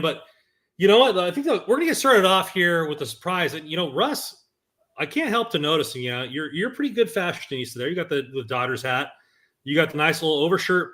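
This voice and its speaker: High, bright-voiced hype host man. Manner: energetic, hype-building. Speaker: podcast host. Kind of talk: casual podcast chat.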